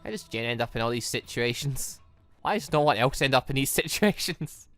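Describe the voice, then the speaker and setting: Gaming host for a visual novel playthrough: bright, animated delivery, stumbles over lines, music underneath. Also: mid-range voice, fairly quick. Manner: stumbles while reading, repeats and corrects lines. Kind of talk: visual novel playthrough, reading dialogue aloud with asides.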